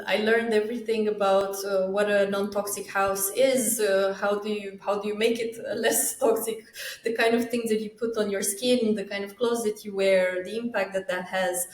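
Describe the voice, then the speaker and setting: A woman's voice: medium pitch, steady tone, a little slow, reverberant. A woman from Romania, a summit co-founder, talks casually in an interview and often hesitates with fillers and restarts.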